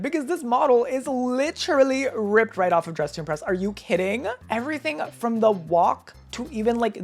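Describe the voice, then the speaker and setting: A young woman narrates her gameplay in a casual, chatty way, her voice leaping up and down with dramatic exclamations. She sounds like a gaming creator talking straight to her viewers. Soft background music plays faintly under her voice. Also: mid-range voice. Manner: dramatic, exclamatory, quick reactions. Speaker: gaming YouTuber.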